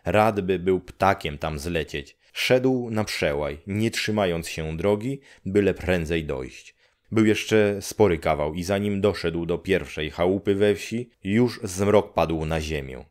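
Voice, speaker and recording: Slow deep-voiced male audiobook narrator. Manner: calm, measured storytelling. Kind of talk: audiobook reading of a classic story.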